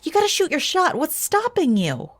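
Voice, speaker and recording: A woman's voice: sits high, huge pitch swings, moderate pace. An actress playing a breezy young woman who teases her friend in a casual way, in a radio drama. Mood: teasing. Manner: casual, teasing.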